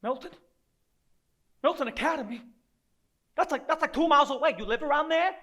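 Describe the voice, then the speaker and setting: Dramatic monologue: male actor as a self-loathing, grieving loser of a dad, very high strained pitch, bright forceful edge, streetwise and profane. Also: a little fast. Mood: wry, coaxing. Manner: rambling, profane, streetwise, talking to an unseen child. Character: down-and-out grieving father, foul-mouthed, self-loathing, desperate loser.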